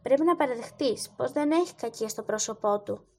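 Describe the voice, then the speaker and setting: Woman narrator voicing calm formal judge, gentle, measured, high voice, storybook. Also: husky.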